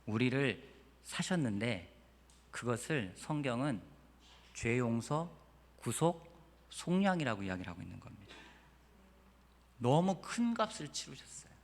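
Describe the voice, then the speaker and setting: A man preaching a Sunday sermon with lively storytelling, moving between quiet and emphatic delivery. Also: medium pitch. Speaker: pastor. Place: church sanctuary. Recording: church hall reverb.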